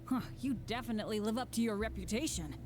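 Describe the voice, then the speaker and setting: A woman's voice: on the high side, fast, over music, natural voice. A woman voicing an earnest, good-hearted, unlucky teenage boy adventurer in a video game. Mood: earnest, friendly. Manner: boyish, earnest. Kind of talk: video game character voice acting.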